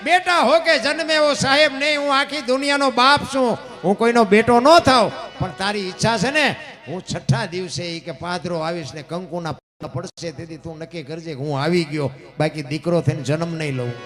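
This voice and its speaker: Guy doing a calm godly lord, solemn and kind, guitar in the back. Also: high-pitched, normal speed. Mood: proclaiming. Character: the Lord, divine, calm and generous.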